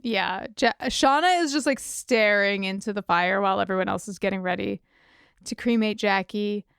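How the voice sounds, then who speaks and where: A woman's voice: mid-range voice, moderate pace, creaky, fairly bright tone, clear, resonant tone, no room sound, studio quality. A woman co-hosting a podcast, casually narrating the beats of an episode in an easygoing way. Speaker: podcast co-host. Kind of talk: casual recap chat.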